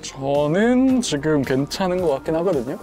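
A man's voice: fairly high pitch, sing-song, normal speed, dark tone, faint music behind. A young man casually explaining things as he works as a setup technician in a small room. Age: young adult. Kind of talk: casual explaining while working. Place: small bedroom studio, indoors.

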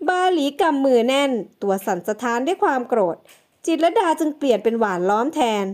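High-voiced woman narrating a novel. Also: lively intonation, a little fast, a little mellow. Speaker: audiobook narrator. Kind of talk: scripted narration of a romance drama novel.

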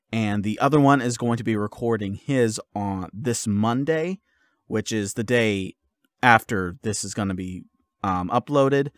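A man giving his listeners a casual update as an audio creator, informal and halting as he thinks aloud. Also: lowish voice, no room sound.

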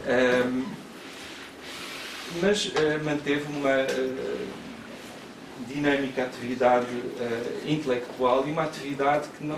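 A man's voice: medium pitch, distant mic. Hesitant man introducing a speaker. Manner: hesitant, many fillers. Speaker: event moderator. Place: university seminar room. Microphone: far room camera. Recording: echoey room from afar, background noise.

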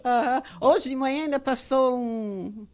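A woman's voice: high voice, a little slow, darkish tone. A middle-aged woman from Paraná, Brazil, a home cook being interviewed in her kitchen into the reporter's handheld mic, cheerful and laughing often.

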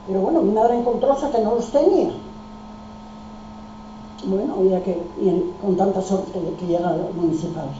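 An older woman tells her family's story emphatically, restarting her sentences and taking on each person's lines. Her voice is dark and mellow. The sound is dull and lo-fi, full of room echo and picked up from some distance. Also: mid-range voice, a little hiss or hum. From Spain. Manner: emphatic, restarts often, acts out dialogue. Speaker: oral history participant. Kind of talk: recounting family memories. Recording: roomy, distant, dull lo-fi recording.

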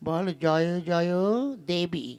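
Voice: medium pitch, flat delivery, slow, gravelly, clear, resonant tone. A performer voicing an irritable, hungry goddess puppet who grumbles and scolds in a Bengali folk comedy. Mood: indignant scolding. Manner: grumbling, scolding, corrects sharply. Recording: loud music behind the voice. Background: music.

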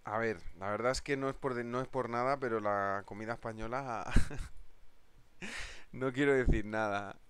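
A man's voice: medium pitch, steady tone, moderate pace, fairly bright tone, clear, resonant tone, no room sound. A man with a Spanish accent from Spain, hosting a live trading stream in a jokey, chatty way, answering viewer comments and laughing often. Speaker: trading webinar host.

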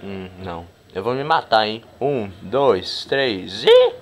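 A man talks through his game in an unhurried drawl, cracking crude jokes and now and then shouting in excitement. His pitch leaps around a lot as he talks. A soft hum of noise sits behind his desk mic. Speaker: gameplay commentator. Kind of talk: casual gameplay commentary.

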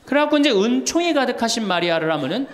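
A man's voice: extremely high pitch, big pitch swings, fast. A middle-aged man, a Catholic priest, giving a humorous talk to an audience and acting out the voices in his stories. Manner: storytelling, acts out quoted voices, laughs along. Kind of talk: humorous lecture.

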